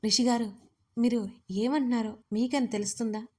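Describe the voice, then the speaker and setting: A woman's voice: fairly high pitch, fairly even intonation, normal speed, natural voice. A woman voicing a grieving, guarded young woman who answers sharply and firmly, in an audio story. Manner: tearful, then sharp and firm.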